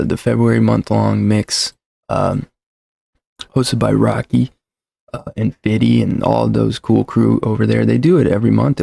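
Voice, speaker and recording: Man, thirties, gravelly fry, dry close sound, casual livestream host, rambling, self-deprecating. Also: lowish voice, mellow, no room sound. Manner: rambling, self-deprecating, many fillers and restarts. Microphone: desk mic with shock mount.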